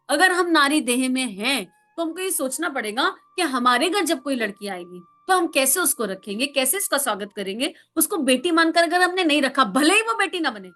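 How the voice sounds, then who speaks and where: A woman counsellor delivers a spiritual talk in a high, bright, pushed voice. She is emphatic, asks lots of rhetorical questions, and occasionally acts out members of a family.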